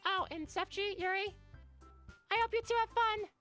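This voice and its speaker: A tiny, girlish visual novel schoolgirl played by a man, pitched extremely high. She is shy, polite and sweet, with music playing underneath. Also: steady tone, normal speed, bright, forceful tone. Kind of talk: voicing visual novel dialogue on a stream.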